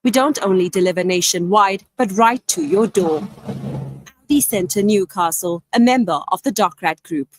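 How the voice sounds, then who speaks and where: A woman's voice: medium pitch, normal speed, slight background noise. A woman reading a polished, upbeat scripted radio advertisement. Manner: polished, upbeat sales read. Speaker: commercial voice-over.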